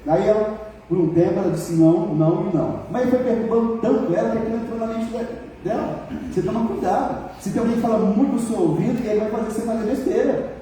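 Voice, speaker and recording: A man preaching a sermon as pastor in a church, telling stories in a colloquial, animated way and calling on the congregation for responses. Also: sits high, fast. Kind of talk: sermon with storytelling. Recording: echoey church hall, mic far off, faint noise.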